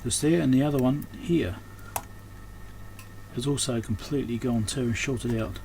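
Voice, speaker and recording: At his workbench indoors, a male video host repairing electronics talks casually and off the cuff, thinking out loud and frequently leaving thoughts unfinished. His voice is mid-range with a dark tone and moderate pace. The audio is poor, with clear background noise and room ambience.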